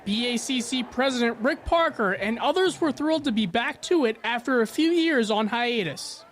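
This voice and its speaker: A man's voice: very high-pitched, lively intonation, normal speed, fairly bright tone. A man working as a local TV field reporter, giving an upbeat report from an event. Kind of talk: on-location news report.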